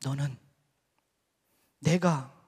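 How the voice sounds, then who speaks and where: A man voicing God as a calm but stern male voice that gently rebukes, then presses firmly. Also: mid-range voice, drawn-out words, husky, voice pushed down, exaggerated voice. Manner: quiet rebuke rising to firm emphasis. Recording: echoey church hall.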